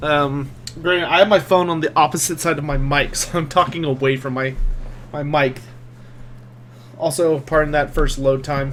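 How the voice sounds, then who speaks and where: A man with an American accent speaks at a fairly high pitch and a moderate pace. His intonation is fairly even, and he takes long, frequent pauses. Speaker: video game streamer. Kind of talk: casual live-stream gameplay chat. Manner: casual, with fillers.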